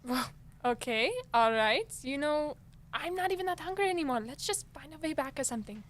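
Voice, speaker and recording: A woman's voice: sits high, animated, a little fast, a bit bright. A woman playing an anxious, questioning young girl in a fairy-tale radio play, with a chatty modern delivery. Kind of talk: live student radio play acting.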